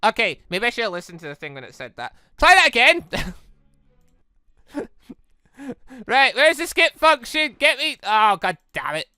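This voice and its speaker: An excitable let's play host, commentating on a game and exclaiming while reading along. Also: medium pitch, moderate pace, pauses often, clear, resonant tone, no room sound. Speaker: gaming video host reading a visual novel aloud. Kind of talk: let's play commentary with read-aloud character dialogue. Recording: close dry mic over game music. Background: game music.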